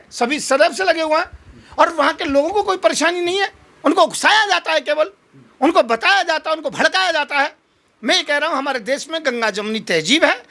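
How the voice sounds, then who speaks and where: A man's voice: extremely high pitch, vocal fry, pushed and bright. A man giving an impassioned political interview, speaking in combative, emphatic oratory full of rhetorical challenges.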